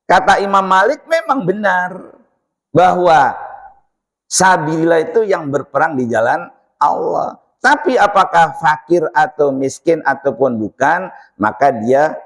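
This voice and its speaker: An older man giving an informal religious lesson at a mosque, telling anecdotes and acting out the voices in them. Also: on the high side. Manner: lively storytelling, acting out dialogue, laughing. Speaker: mosque teacher giving a dawn study class.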